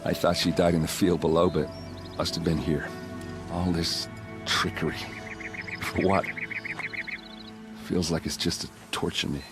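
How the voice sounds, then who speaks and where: A grieving tribal warrior in a video game, with a low voice. He is blunt, weary and bitter, full of self-doubt. Music plays clearly behind him. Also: little pitch movement, unhurried, pauses often. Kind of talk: video game cutscene acting.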